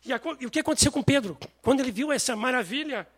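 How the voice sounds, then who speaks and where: A man preaching a sermon, telling stories with animated voices. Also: extremely high pitch, fast talker, breathy edge. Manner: animated storytelling, acts out voices.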